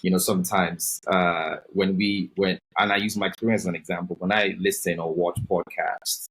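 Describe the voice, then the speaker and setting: A man's voice: sits low, little pitch movement, normal speed, fairly bright tone, slightly rough, poor audio. A man hosting a podcast, asking friendly, rambling interview questions full of fillers. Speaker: podcast host.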